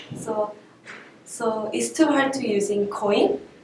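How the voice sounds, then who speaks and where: A woman with a Korean accent speaks at a very slow pace, her fairly high pitch moving with ordinary variation. Audible room echo and noticeable background noise fill the recording. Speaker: ESL student. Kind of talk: interview answers.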